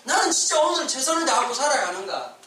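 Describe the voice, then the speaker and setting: A man's voice: extremely high pitch, fast, faint music behind. A male pastor giving a sermon, telling stories and acting out quotes with animation. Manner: animated storytelling with acted-out quotes. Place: church sanctuary. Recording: echoey church hall, mic at a distance.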